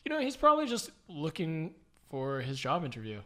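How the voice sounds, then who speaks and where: A young man chatting on a podcast with a lively, bouncing voice pitched a little high. He jokes loosely and riffs off the others. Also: normal speed, crowd noise. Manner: joking, animated, riffs in mock voices. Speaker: podcast co-host. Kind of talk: casual chat.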